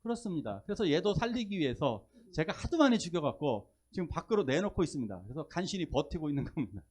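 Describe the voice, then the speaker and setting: A man's voice: on the high side, quick pace. A male pastor preaching a Sunday sermon, posing questions to the congregation and joking with them. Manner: lively, asks the congregation questions and jokes with them. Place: church service.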